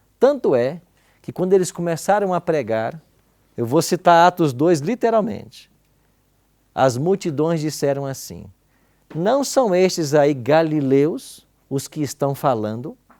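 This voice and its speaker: In a very clean recording with a silent background, a man with a fairly high pitch and a dark, mellow tone speaks at a fairly slow pace, his intonation lively and broken by long, frequent pauses. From Brazil. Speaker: Bible teacher. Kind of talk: Bible teaching to a small audience. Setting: with small group of listeners. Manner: conversational, asks the audience questions.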